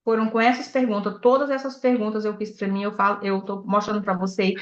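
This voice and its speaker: Animated woman, echoey talk. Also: mid-range voice, brisk. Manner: animated, personal storytelling, direct questions to the audience. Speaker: sales director giving a motivational talk. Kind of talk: motivational talk. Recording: echoey, dull lo-fi sound.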